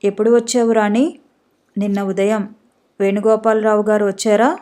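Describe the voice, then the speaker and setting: A woman's voice: mid-range voice, level tone, moderate pace, mellow, close to an everyday voice. Woman reading as a grieving young drinker. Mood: sorrowful.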